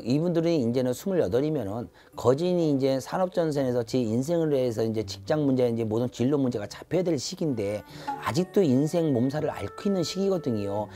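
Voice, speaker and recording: A man's voice: medium pitch, expressive, a little fast, dark tone. A man in his fifties giving an earnest, advisory zodiac fortune reading to camera as a shaman, repeating his phrases as he goes. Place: indoor shrine room. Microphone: lapel mic. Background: background music.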